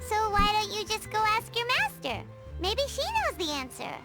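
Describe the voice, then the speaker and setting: A woman voicing a tiny, childlike female fairy companion in a video game, squeaky, curious and excitable. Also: moderate pace, music in the background, full character voice. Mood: doubtful. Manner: inquisitive, exclamatory. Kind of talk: video game voice acting, cartoonish.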